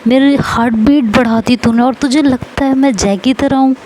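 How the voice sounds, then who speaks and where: A woman's voice: sits high, moderate pace, a little mellow, a little hiss or hum, natural voice, poor audio. A woman voicing a young woman who consoles her best friend with coaxing affection. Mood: consoling. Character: young woman friend, teasing then tender, confesses love.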